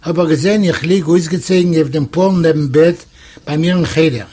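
A man from Eastern Europe reading a classic story aloud in measured storytelling. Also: on the high side, mellow, slight background noise. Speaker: audiobook narrator. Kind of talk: scripted literary narration.

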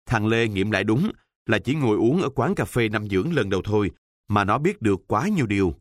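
A man reads a story aloud, steady and unhurried. His voice sits fairly low. The recording is dry and close, with no room sound. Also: no room sound. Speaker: narrator. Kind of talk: storytelling narration.

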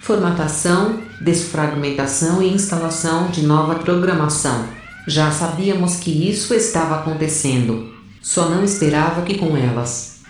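A woman playing a wary, resolute soldier who narrates a mission gravely in an audio drama. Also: sits low, moderate pace, darkish tone, a little hiss or hum, natural voice. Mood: tense. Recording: very echoey, distant from mic.

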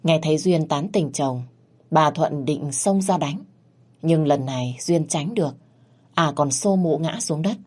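A woman reading a scripted narration of a ghost story in a steady, measured way. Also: low voice.

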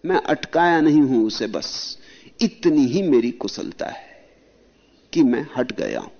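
A man giving a devotional spiritual discourse, speaking slowly and lingering on his phrases, reciting verses at a slow pace, then rising suddenly into high, emphatic lines. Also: animated, dull audio.

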